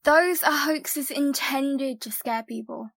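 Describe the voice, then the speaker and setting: Woman acting an exasperated high-voiced bossy twin sister. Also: slow, vocal fry, dry recording, heavily acted. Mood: dismissive. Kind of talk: audio drama acting.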